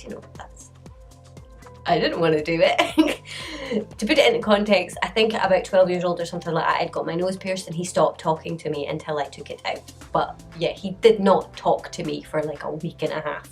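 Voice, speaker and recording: A woman in her late twenties tells a storytime vlog in a loose, chatty manner and laughs often between sentences. Her voice sits a little low for a woman. Soft music plays faintly behind her. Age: late 20s. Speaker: vlogger.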